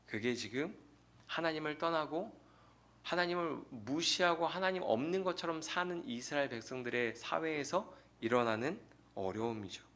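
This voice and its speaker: A man's voice: a little high, lively intonation, moderate pace, a bit bright. A male pastor preaching a sermon with earnest rhetorical questions to the congregation. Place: church sanctuary.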